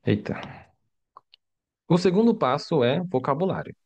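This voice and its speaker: This middle-aged Mandarin teacher has a voice on the high side, a little mellow with a breathy edge, and he's very animated yet unhurried. In his live online lesson he chats casually, keeps checking in with students and uses lots of tag questions.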